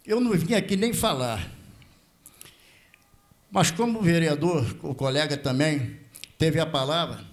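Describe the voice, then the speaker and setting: An elderly Brazilian man with a slightly high voice addresses a legislative hearing. He speaks as a veteran officer from the floor, formally and deferentially, stopping and repeating himself as he builds his points. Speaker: veteran prison officer speaking as a member of the public. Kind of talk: impromptu speech at a legislative hearing.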